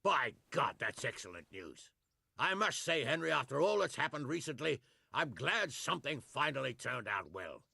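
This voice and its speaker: A man's voice: medium pitch, big pitch swings, moderate pace, gravelly, pushed and bright, breathy edge, no room sound, heavily acted. An actor playing a stern, commanding nobleman in a game. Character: stern older male lord, commanding.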